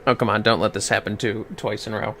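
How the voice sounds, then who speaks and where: A man's voice: lowish voice, level tone, fast, bright, forceful tone. A man livestreaming a video game, chatting casually with reactive, sweary asides.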